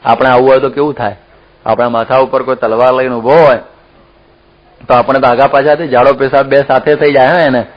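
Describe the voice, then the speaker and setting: A man's voice: mid-range voice, flat delivery, brisk, muffled recording. A man giving a religious discourse as a preacher, telling stories with acted-out quotes and laughs.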